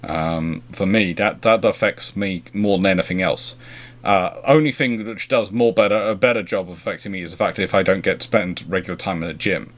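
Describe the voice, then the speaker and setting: Deep-voiced and fairly quick, a British man fields questions on his naval history show. His explanations ramble casually, and he keeps rephrasing as he thinks out loud.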